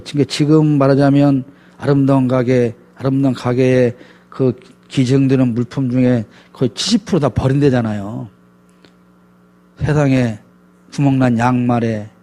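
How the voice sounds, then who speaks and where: A man's voice: mid-range voice, steady tone, normal speed, warm tone. A man preaching a sermon as a pastor, emphatic and full of rhetorical questions to his congregation.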